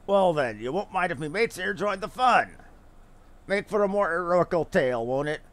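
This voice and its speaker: A rough sky pirate from a fantasy game, acted out by a man, pitched well below the performer's usual talk. The delivery is coarse, sneering and full of menace. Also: lively intonation, moderate pace. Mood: menacing, mocking. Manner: taunting, coarse.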